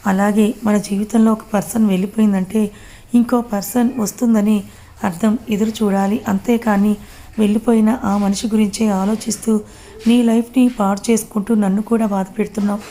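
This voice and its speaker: Proud obsessive young woman, read by a woman, insistent, flat even delivery, dark mellow tone. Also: mid-range voice, brisk, natural voice. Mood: pleading.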